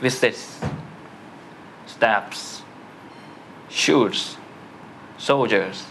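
A man student repeats practice words carefully, one at a time. He speaks very slowly, with a faint hiss in the background. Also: lowish voice, a bit bright. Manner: slow, careful drilling.

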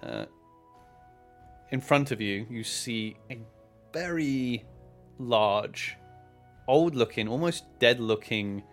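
A man working as game master, improvising descriptive narration for a tabletop game with hesitant pauses mid-phrase. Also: mid-range voice, animated, faint music behind.

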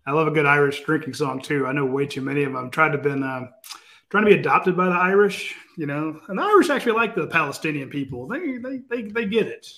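A man hosting sports talk, quick to tease and joke with the others. His voice sits a little higher than most men's. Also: expressive, bright, forceful tone. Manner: laughing, teasing banter. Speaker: sports show host.

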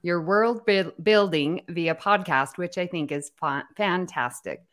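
A woman co-hosting a live podcast, reading listener comments aloud with a lively, easily amused manner. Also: fairly low pitch, a little slow. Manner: animated, reads comments aloud, laughs easily. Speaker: podcast co-host. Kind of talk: casual live podcast chat.

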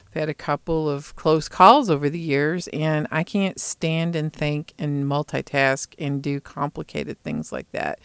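Woman, middle-aged, casual craft vlogger. Smooth, clean tone, medium pitch, dry sound, thinks out loud. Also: no echo. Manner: rambling, thinking aloud. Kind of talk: casual chatty monologue about hobbies.

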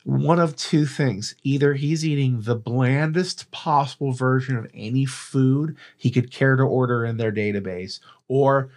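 A man's voice: medium pitch, a little slow, hardly any pauses, a little mellow. Male podcast co-host, mid-range voice, casual and rambling, explains at length, swears freely. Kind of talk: casual chat.

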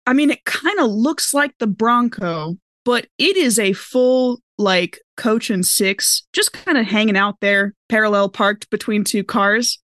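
A woman playing a tabletop game, chatting casually in an excitable, jokey manner. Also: a little high, unhurried, hardly any pauses, dry recording, clean studio sound. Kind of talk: casual, playful game chat.

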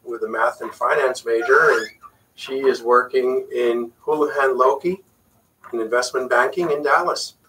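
A man's voice: mid-range voice, normal speed, far from the mic, a little hiss or hum, low-quality recording. A middle-aged man from Puerto Rico whose first language is Spanish, a facial plastic surgeon chatting casually as a guest. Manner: relaxed, chatty, frequent fillers. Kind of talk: casual interview chat.

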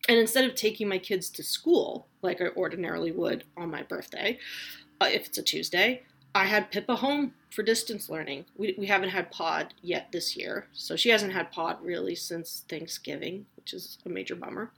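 A woman's voice: lowish voice, normal speed, gravelly, a bit bright, breathy edge. A woman in her forties hosting a casual solo podcast from home, chatty and rambling, with a self-deprecating humor. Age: 40s. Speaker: podcast host.

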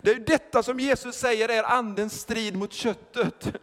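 An older man preaching a sermon as pastor, lively, joking and putting questions to the congregation. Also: very high-pitched. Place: church hall. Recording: long reverb of a church hall.

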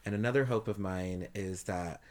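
A man's voice: deep voice, moderate pace, darkish tone. A man in his thirties co-hosting a podcast, chatting casually and rambling a little, with easy laughs. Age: 30s. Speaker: podcast co-host. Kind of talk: casual chat.

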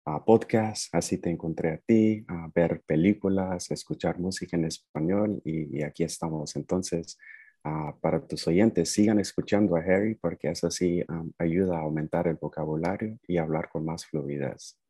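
A young man from Nicaragua, raised partly in the United States, talking casually as a podcast guest and often pausing to find his words. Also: low-pitched, fairly even intonation, warm tone, slightly rough. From Nicaragua, moved to the United States at seven. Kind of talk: casual conversational storytelling.

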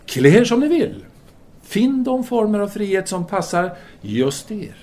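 Actor as a high-pitched, lively philosophizing intellectual man. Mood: accepting. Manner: deliberate, philosophizing, formal. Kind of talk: audio drama acting, formal literary dialogue.

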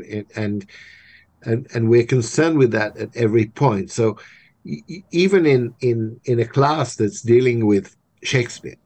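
A man's voice: medium pitch, darkish tone. An older man working in theatre, answering interview questions thoughtfully and often restarting and repeating words. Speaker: guest, theatre maker and lecturer.

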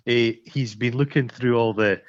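A man's voice: mid-range voice, moderate pace, dry recording. Sweary Scottish man retelling films. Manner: animated storyteller, sweary, acts out quotes. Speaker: podcast co-host. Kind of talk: casual film review chat. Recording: dull lo-fi dry sound.

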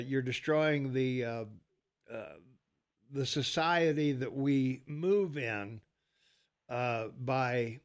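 A man's voice: medium pitch, clear, resonant tone. A man in his sixties hosting a radio talk show, chatty and laughing often, reading headlines and phone numbers. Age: 60s.

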